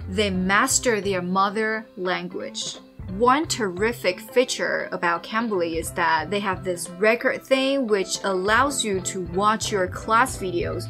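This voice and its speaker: Woman host, earnest. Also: medium pitch. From Taiwan. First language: Mandarin. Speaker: host and English learner. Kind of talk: casual interview then talk to camera.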